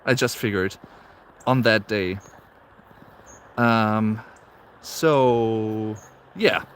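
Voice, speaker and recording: A man's voice: fairly low pitch, very slow, fairly bright tone, slight background noise. A man in his late twenties with a German accent, chatting casually in a live stream while out walking in the snow and reading viewer comments aloud. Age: 20s. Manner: chatty, reads viewer comments aloud, frequent fillers and repeats. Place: outdoors on a snowy walk.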